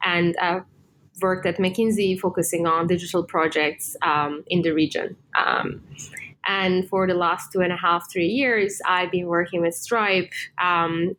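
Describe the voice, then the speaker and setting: A woman's voice: lowish voice, fairly bright tone, rough recording. Woman, 30s, Turkish native speaker, hesitant interview guest, faint background noise. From Turkey. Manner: hesitant, many fillers and restarts. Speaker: guest, tech executive. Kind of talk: casual interview answers.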